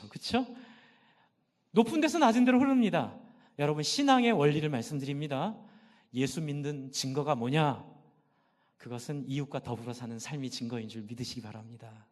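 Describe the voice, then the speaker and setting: A man's voice: a little high, darkish tone. A middle-aged male pastor preaching a passionate sermon in a church sanctuary, posing questions to the congregation and answering them himself. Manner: impassioned, asks and answers own questions. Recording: long hall reverb.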